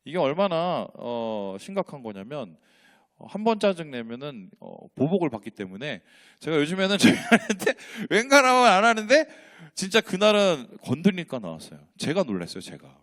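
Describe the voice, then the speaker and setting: A man's voice: on the high side, huge pitch swings, normal speed, fairly bright tone. A man, a pastor, preaching a sermon with rhetorical questions and acted-out dialogue in changing voices. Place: church sanctuary.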